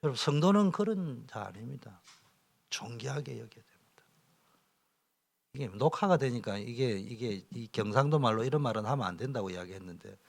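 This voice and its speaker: A middle-aged male pastor, preaching a training lecture, swinging from loud exhortation to whispers. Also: medium pitch, expressive, fast, gravelly, few pauses. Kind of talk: sermon-style training lecture.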